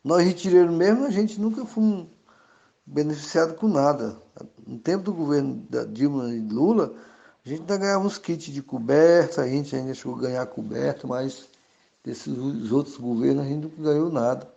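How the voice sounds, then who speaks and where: A man's voice: a little high, normal speed, creaky, warm tone. A man with a rural Brazilian accent giving plain spoken testimony in a dull, lo-fi recording. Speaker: traditional community member.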